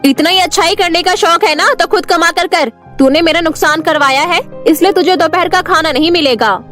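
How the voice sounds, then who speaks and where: A woman's voice: sits high, moderate pace, fairly bright tone, soft background music. A woman voicing a cruel, harsh middle-aged aunt in a cartoon story, scolding and sneering. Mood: angry.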